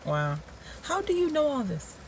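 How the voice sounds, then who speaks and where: A woman's voice: high voice, wildly swooping pitch, moderate pace, background noise. A woman interviewer in casual conversation, encouraging and reacting with short interjections. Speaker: interviewer and video host.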